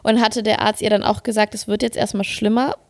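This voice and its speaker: A woman's voice: mid-range voice, flat delivery, fairly quick, no echo, studio quality. A woman in a casual podcast chat, reacting briefly and asking follow-up questions.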